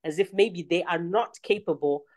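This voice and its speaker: A woman's voice: lowish voice, normal speed, darkish tone. A woman with a Zimbabwean accent, a musician answering as an interview guest in an earnest, explanatory, conversational way.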